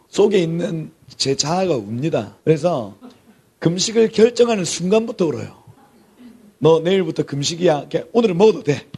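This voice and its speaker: This is a high-pitched, husky man's voice with a darkish tone, belonging to a middle-aged pastor teaching a theology class. His sermon-style lecture is emphatic, full of repeated key words and sudden near-whispers.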